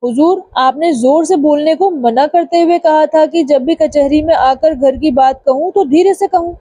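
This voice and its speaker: A woman's voice: sits high, normal speed, warm tone, no echo, natural voice. Sheikh Chilli, as a woman puts him on. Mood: meek. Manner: meek, obliging replies. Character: simple-minded male servant, literal-minded, obliging. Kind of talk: storybook narration.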